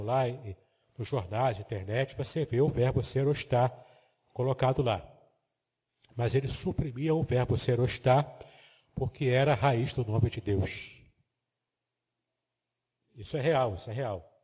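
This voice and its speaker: A man's voice: medium pitch, unhurried, long pauses, warm tone, breathy edge. Didactic man in a hall. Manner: didactic, explains terms step by step, asks the listener to confirm. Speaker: Bible teacher. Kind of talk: biblical teaching lecture with slides.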